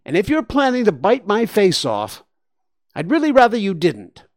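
A timid, polite young boy in a storybook talks in a high, lively voice, as a man acts him out, tripping over his words when he's afraid. The sound is dry and close-miked. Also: moderate pace, no room sound. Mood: scared. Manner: stammering when scared.

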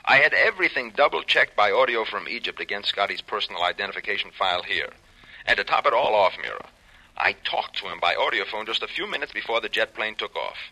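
A man acting a grave, matter-of-fact security chief in a 1950s radio drama, speaking in a measured, authoritative way. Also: lowish voice, lively intonation, sharp tone, heavily acted, rough recording.

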